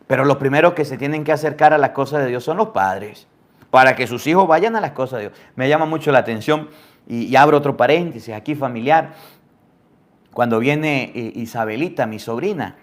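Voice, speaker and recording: A man preaching a sermon, asking the listeners question after question and dropping suddenly to a hush. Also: mid-range voice, expressive, fairly quick. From Venezuela. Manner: emphatic preaching with rhetorical questions and sudden drops to near-whispers. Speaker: priest.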